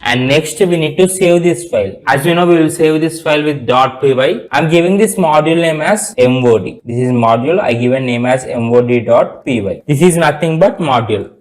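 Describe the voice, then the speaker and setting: A man's voice: a little high, quick pace, few pauses, rough recording. A man with an Indian accent giving a step-by-step programming tutorial in a repetitive, instructional manner. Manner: repetitive, instructional, spells terms out letter by letter.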